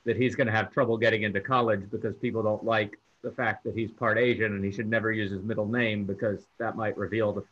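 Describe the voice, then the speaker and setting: A man's voice: on the low side, flat delivery, fast, few pauses. A man taking part in a discussion, speaking in an earnest, saddened way. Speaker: audience participant. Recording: dull lo-fi audio.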